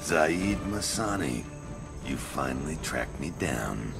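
A man's voice: extremely low pitch, big pitch swings, slow, vocal fry, exaggerated voice. An actor playing an arrogant, sadistic male mercenary boss in a video game. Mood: smug menace. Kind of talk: cinematic video game acting. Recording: dramatic music behind the voice.

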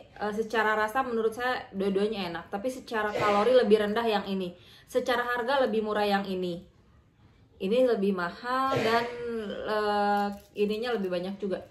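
A woman's voice: fairly high pitch, fairly even intonation, normal speed. A young woman giving a casual, chatty review of diet foods, with frequent fillers and self-corrections, filmed on a camera across a table indoors. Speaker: vlogger reviewing diet products. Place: indoor room. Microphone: fixed camera at table distance. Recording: echoey room, faint noise.

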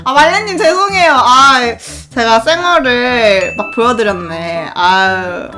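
A young woman chatting on a livestream in a cute anime streamer manner, playful, giggly and animated. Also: fairly high pitch, unhurried. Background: music.

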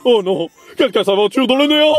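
A zany cartoon circus host talks in a high voice that leaps around in pitch. He is showy and whimsical, every phrase theatrical, with faint music behind. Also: expressive, a little fast. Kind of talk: cartoon fan dub acting.

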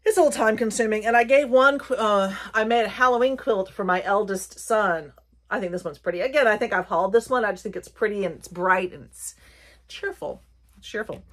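Casting: middle-aged female vlogger, mid-pitched, slight American South accent, informal and chatty, meandering delivery that corrects itself as it goes. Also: brisk, fairly bright tone. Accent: light Southern American. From Virginia, United States. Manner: rambling, chatty, self-correcting. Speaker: haul and craft vlogger. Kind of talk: casual chatty haul video.

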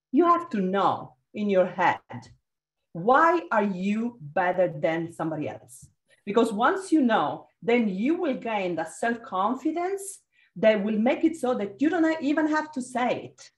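A woman's voice: medium pitch, a little slow, roomy sound. Italian-accented woman leading a video workshop. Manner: energetic, encouraging, calls on participants. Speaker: workshop facilitator. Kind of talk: leading a group video call. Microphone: video call.

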